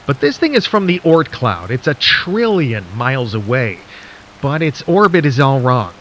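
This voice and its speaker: A man playing a folksy late-night radio DJ in a radio drama, speaking intimately and conversationally to listeners with theatrical pauses and a skeptical, intrigued air. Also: medium pitch, very animated, fairly bright tone, slight background noise, low-quality recording. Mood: ominous, intrigued. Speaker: radio host.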